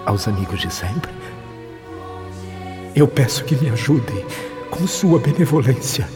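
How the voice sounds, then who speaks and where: A man's voice: mid-range voice, big pitch swings, measured pace. Radio drama role: devout, humble male spirit, Brazilian accent, pleading prayer, long hall reverb over music. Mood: humble, solemn. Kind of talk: solemn radio drama acting.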